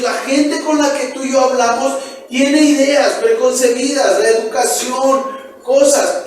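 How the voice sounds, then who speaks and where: A male pastor with a Mexican Spanish accent preaching a lively sermon, asking his congregation questions and acting out the voices he quotes. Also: very high voice, a little hiss or hum. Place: church hall. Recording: echoey church room, mic at a distance.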